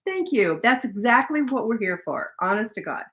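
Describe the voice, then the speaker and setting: An older woman co-hosting a live stream, chatting casually and plugging the show with upbeat, warm-hearted energy. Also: a little high, very animated, normal speed. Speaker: livestream co-host. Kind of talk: casual livestream chat.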